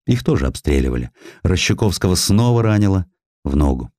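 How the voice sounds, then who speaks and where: A man narrating historical prose as an audiobook, with a measured, expressive and dramatic literary delivery. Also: low voice, no room sound. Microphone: close studio microphone.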